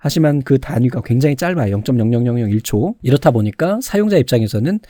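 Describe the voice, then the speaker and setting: Animated male lecturer, dry close sound. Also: mid-range voice, fast talker, no echo. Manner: conversational, poses and answers his own questions. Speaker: online computer certification lecturer. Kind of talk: informal explanatory exam lecture.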